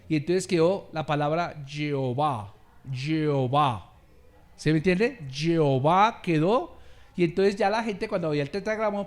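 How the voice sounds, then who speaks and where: High-voiced preaching man. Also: a little mellow. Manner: preaching with rising volume and call-and-response; addresses listeners as beloved brother. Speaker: pastor. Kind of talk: sermon.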